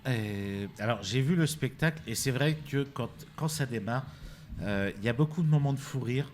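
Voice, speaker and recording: A man's voice: mid-range voice, normal speed, darkish tone, a little hiss or hum. A man hosting a live radio interview at a festival, chatty and hesitant with many fillers. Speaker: radio host.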